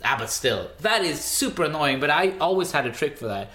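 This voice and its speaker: A man's voice: on the high side, brisk, roomy sound. A man in his twenties, a native Swedish speaker, talking emphatically as a podcast guest and often restarting his words. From Sweden. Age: 20s. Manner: animated, emphatic, repeats words when starting. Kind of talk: casual podcast interview.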